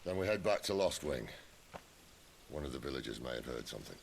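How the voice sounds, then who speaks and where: A man playing a gruff, wry middle-aged outlaw leader with a gravelly voice in a video game cutscene. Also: a bass voice, big pitch swings, a little fast, noisy background, full character voice. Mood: calm, businesslike.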